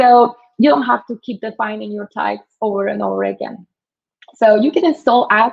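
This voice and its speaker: A woman talks with a non-native accent. Her pace is moderate. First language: not English. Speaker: software community support specialist. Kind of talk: tech conference talk.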